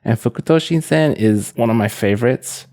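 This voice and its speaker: A man's voice: mid-range voice, moderate pace, warm tone. A young man co-hosting a podcast, chatting casually and laughing at himself often. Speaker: podcast co-host. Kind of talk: casual chat.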